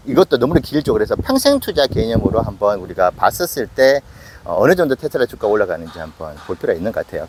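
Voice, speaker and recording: Casual investing host, man in his late forties, lively delivery. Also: mid-range voice, slight background noise. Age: 40s. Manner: conversational, self-questioning with acted asides. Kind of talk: casual investing talk to camera.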